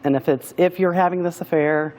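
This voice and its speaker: A woman appearing as a guest on a talk show, telling her story in a hesitant, halting way. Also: fairly low pitch, steady tone, a little mellow. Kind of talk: emotional personal testimony.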